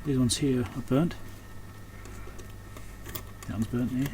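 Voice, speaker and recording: An electronics repairer and video host works at an indoor repair bench, giving casual, unscripted commentary as he thinks aloud and often trails off mid-thought. His mid-range voice is steady and slow. Background noise and room ambience are clearly audible.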